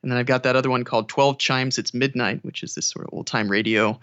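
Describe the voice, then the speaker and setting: A man's voice: medium pitch, steady tone, fast talker, sharp tone, dull audio. A man chatting casually as a podcast guest, talking about his work as a narrator in a hesitant way with restarted phrases. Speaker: audiobook narrator and voice actor.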